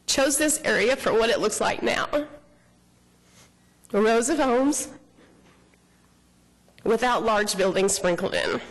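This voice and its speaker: A man's voice: extremely high pitch, fairly bright tone, low-quality recording. A man, giving a formal, earnest prepared comment at a city council podium microphone, his voice slightly shaky. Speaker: public commenter, neighborhood resident.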